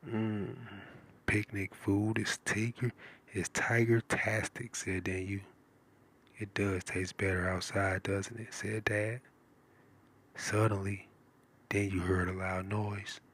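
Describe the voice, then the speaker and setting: A man reading a children's storybook aloud in a soft, partly whispered ASMR style, with lingering repeated remarks. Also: on the low side, little pitch movement, slow, breathy edge. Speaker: live stream story reader.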